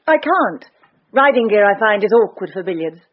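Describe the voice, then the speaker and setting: A woman's voice: mid-range voice, big pitch swings, moderate pace, highs cut off. A proud, forthright young lady. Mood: cool. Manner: cool, forthright. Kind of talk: radio drama acting.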